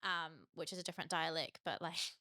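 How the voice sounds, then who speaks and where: A woman's voice: low-pitched, steady tone, fairly quick, sharp tone, no echo, studio quality. A young woman chatting on a podcast, telling anecdotes with easy laughter. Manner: chatty storyteller, laughs easily. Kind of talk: casual podcast conversation.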